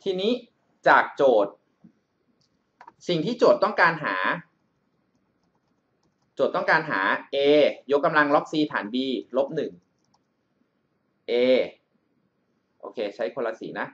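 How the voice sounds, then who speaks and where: Male tutor for screencast lessons, a bit high-pitched, friendly big-brother tone, slightly muffled recording. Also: big pitch swings, takes it slowly, pauses often, sharp tone. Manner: calls himself by a big-brother nickname, checks in with the student often. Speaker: math tutor. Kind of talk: explaining exam problems over a whiteboard screencast. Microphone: voice-over on a screen recording.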